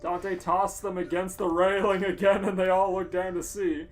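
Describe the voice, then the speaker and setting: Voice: mid-range voice, little pitch movement, normal speed, faint music behind. A podcast co-host reading a comic story aloud in an amused, giggly manner.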